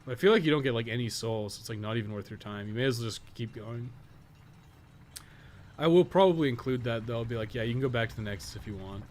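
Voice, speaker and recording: A man's voice: medium pitch, fast talker, a little mellow, a little hiss or hum. A man giving casual live gameplay commentary, thinking aloud in a rambling way and swearing casually. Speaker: podcast co-host and game guide writer.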